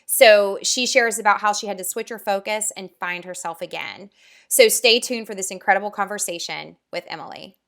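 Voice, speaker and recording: A woman's voice: medium pitch, moderate pace, gravelly, fairly bright tone. A woman hosts a casual interview podcast. She sounds upbeat and enthusiastic as she introduces her guest and asks questions. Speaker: podcast host.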